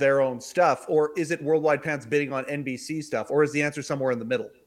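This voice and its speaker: In an unremarkable speaking voice, a man talks at a fairly quick pace with a fairly high pitch. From Canada. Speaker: regular audience participant. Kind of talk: casual chat.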